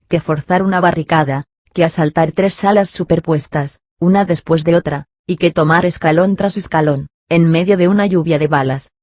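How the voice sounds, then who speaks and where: A man narrating a classic novel as an audiobook, in a steady, measured storytelling manner. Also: fairly high pitch, dry recording, studio quality. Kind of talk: scripted literary narration.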